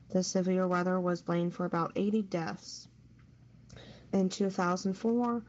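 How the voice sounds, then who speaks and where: A woman's voice: mid-range voice, a little mellow. A woman co-hosting a radio show, reading out a scripted factual segment. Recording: dull audio with background noise.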